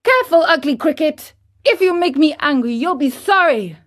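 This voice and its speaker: A woman voicing a cheeky wooden puppet boy in a storybook, raised high and loud, with a bossy, defiant edge. He sounds impatient and quick to anger, and each line is pitched up above her usual reading voice. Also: expressive. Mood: angry. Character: naughty boy marionette, brash and hot-tempered.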